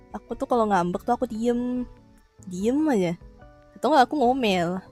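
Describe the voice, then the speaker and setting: Playful, lively woman streamer. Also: fairly high pitch. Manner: playful, laughs often, teasing, throws in little roars. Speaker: live streamer. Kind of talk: casual livestream chat reading viewer comments.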